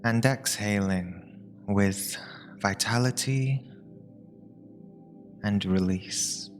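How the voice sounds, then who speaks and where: A man with a fairly low voice leads a guided meditation. He speaks very slowly and soothingly, breaking his sentences into short phrases with long pauses. Music plays behind him. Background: meditation music with binaural tones.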